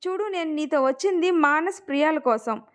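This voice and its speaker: A woman voicing a proud, heartbroken young woman who talks back in sharp, emphatic retorts in a family storytelling narration. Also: sits high, lively intonation, normal speed. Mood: angry.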